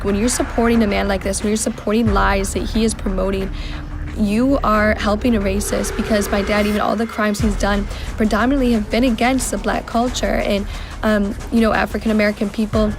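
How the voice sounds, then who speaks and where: Woman giving testimony, gravelly voice, pretty monotone, music under it. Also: mid-range voice. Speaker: witness describing her father. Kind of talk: testimony in an interview.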